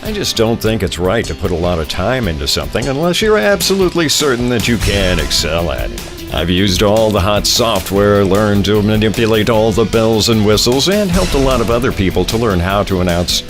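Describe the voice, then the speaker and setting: A middle-aged American man delivering scripted promotional narration in a polished announcer style, pitching himself as a voiceover and radio professional. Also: very animated, normal speed. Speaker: voiceover artist and radio production director. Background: music bed under the voice.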